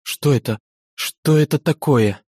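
A man's voice: fairly high pitch, a little slow, dark tone, breathy edge, dry recording, clean studio sound, pitched above the performer's own voice. A man voicing a young nobleman condemned to death, frantic and pleading. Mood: terrified. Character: young desperate nobleman facing execution.

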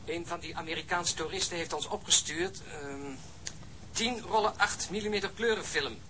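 An actor playing an excited, teasing police colleague with an exuberant manner in a radio drama. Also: male voice, high voice, moderate pace.

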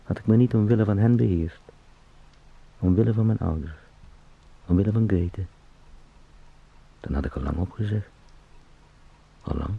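Deep, gravelly, anxious salesman. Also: lo-fi sound, heavily acted. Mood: resentful muttering. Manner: muttering to himself, repetitive, halting. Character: anxious travelling salesman talking himself out of bed. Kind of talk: radio drama monologue.

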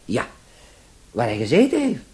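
A man's voice: medium pitch, wildly swooping pitch, moderate pace, a little mellow. An actor in a Dutch radio play voicing a self-important, bumbling policeman who rambles and stammers, swinging between deference and bossiness. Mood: deferential, hesitant. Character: bumbling, excitable, self-important male policeman, number zero-eight.

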